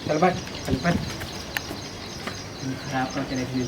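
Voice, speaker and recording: A woman playing a gruff village husband who scolds and threatens his wife, speaking with a Maithili accent in curt commands. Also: rumbling low, slow pace. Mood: threatening. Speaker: comic sketch actor. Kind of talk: rural comedy sketch acting. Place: outdoors in a village. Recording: distant voice, loud outdoor village noise.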